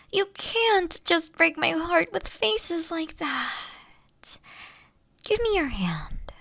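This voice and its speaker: A woman playing a caring, affectionate boss in an intimate audio roleplay, coaxing and gently teasing, at times dropping to a near-whisper. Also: sits high, vocal fry, no room sound, heavily acted. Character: caring, doting older female boss courting her sweet employee.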